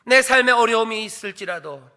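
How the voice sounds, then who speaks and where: A pastor preaches in a high, ringing voice, often asking the congregation a question and then answering it himself with repeated cries. His tone is bright and forward. The sanctuary gives every phrase a long, trailing reverb. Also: a little fast. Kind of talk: sermon. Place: church sanctuary. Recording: long hall reverb of a church.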